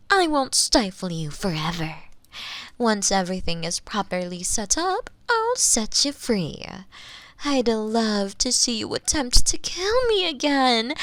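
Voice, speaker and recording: A woman's voice: a little high, sing-song, takes it slowly, a bit bright, no echo, heavily acted. Woman acting a gleeful, theatrical mad scientist. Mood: coolly menacing. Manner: theatrical, savoring, gloating, lapsing into whispers and giggles. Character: gleeful female mad scientist, coldly sadistic, gloating, fascinated. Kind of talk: ASMR roleplay, theatrical monologue to the listener. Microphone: close binaural microphone.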